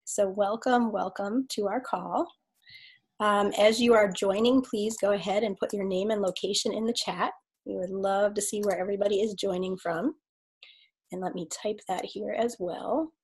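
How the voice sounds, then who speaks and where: A woman's voice: medium pitch, steady tone, moderate pace, breathy edge. A woman hosting an online video call, welcoming attendees by name, her voice slightly scratchy from a cold. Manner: warm welcoming, reads out chat names. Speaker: host, life coach.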